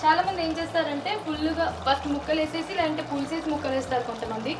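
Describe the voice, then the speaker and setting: A woman's voice: high-pitched, steady tone, very fast. A young woman from India's Telugu-speaking south, chatting casually as she hosts a home cooking vlog and slipping English phrases into her talk. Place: home kitchen. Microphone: small pocket camera. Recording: home recording with clear background noise.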